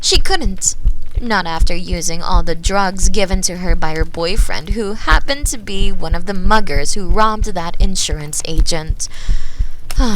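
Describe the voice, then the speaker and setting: A woman voicing a sinister, manipulative seer, speaking calmly and slowly with a soft, partly whispered voice into a binaural mic. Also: lowish voice, slight background noise, rough recording. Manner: calm, slow and coolly menacing.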